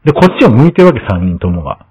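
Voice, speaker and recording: A man hosting a podcast, chatting casually and telling a story in an animated way, acting out the lines of the people in it. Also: fairly low pitch, very fast, husky. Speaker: podcast host. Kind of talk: casual chat. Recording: dull lo-fi sound.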